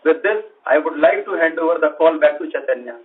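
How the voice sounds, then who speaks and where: A man's voice: a little high, lively intonation, brisk. A man with an Indian accent, a company executive reading out a prepared corporate report on a conference call. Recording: narrow, phone-like conference line.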